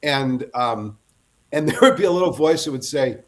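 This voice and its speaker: A middle-aged man chats as a guest author, spinning a long anecdote. His pitch sits at an ordinary middle level, and he wanders and cuts himself off as he talks. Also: expressive, normal speed. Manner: rambling anecdotal storyteller, self-interrupting. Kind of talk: casual interview chat.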